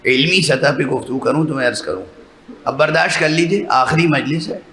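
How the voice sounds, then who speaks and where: A man's voice: on the high side, crowd noise. A man, a religious scholar, giving a sermon lecture that explains its points step by step and often checks with listeners through rhetorical questions. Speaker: religious scholar addressing a mourning gathering. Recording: echoey hall with faint background noise.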